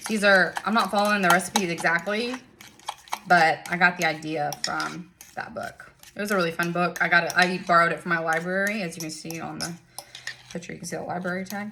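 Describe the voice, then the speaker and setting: A woman's fairly low voice at a very fast pace, with fairly even intonation, big swings in loudness and noticeable background noise. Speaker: cooking channel host. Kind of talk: cooking tutorial. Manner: casual, chatty.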